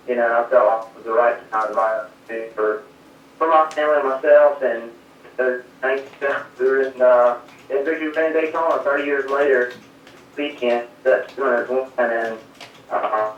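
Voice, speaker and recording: A man's voice: mid-range voice, flat delivery, normal speed, a little hiss or hum. A man, a race crew chief answering interview questions modestly while calling in from home over a phone line that breaks up. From South Carolina, USA. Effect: calling in remotely over a phone line that breaks up and fades. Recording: dull, distant, echoey call-in line.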